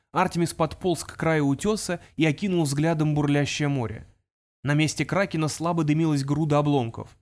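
A man narrating a fantasy adventure audiobook in a steady, dramatic storytelling manner. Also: fairly high pitch.

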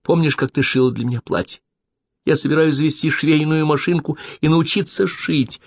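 A man's voice: fairly high pitch, normal speed, voice pushed up. A man voicing a tearful, pleading young woman.

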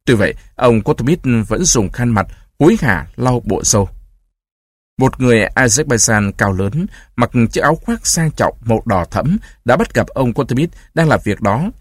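Husky male audiobook narrator. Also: mid-range voice, moderate pace, no echo, studio quality. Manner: steady, even reading.

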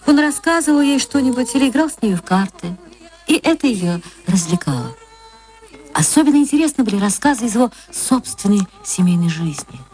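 A woman narrating a classic story for radio in a measured, expressive way, on an archival recording. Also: fairly high pitch, soft background music. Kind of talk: literary reading for radio.

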